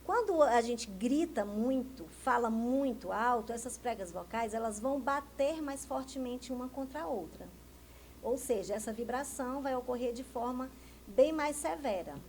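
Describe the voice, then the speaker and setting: A woman's voice: a little high, expressive, normal speed, a little mellow, a little hiss or hum, poor audio. A woman from Brazil, a speech therapist, explaining voice health in a TV interview and often answering her own questions. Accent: Brazilian Portuguese. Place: TV news studio.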